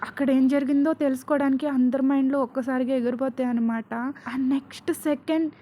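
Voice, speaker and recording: A woman's voice: sits high, flat delivery, fast talker, mellow, a little hiss or hum. A woman narrating a serial story in a chatty, casual way, mixing in English phrases.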